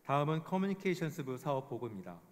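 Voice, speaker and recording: A man giving a formal scripted report, reading statistics in a measured way. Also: fairly high pitch, big pitch swings. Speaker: presenter of a report. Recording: long hall reverb.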